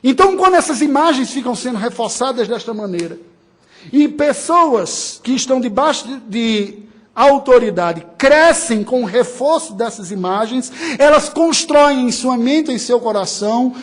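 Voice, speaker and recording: A man from Brazil preaching with a notably high voice, driving his points home with emphasis. He mixes ironic asides and brief chuckles into a steady expository sermon. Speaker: pastor.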